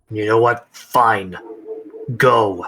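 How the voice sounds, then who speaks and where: A man puts on a character voice at medium pitch. His intonation stays monotone and flat. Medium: actual play. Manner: blunt, curt.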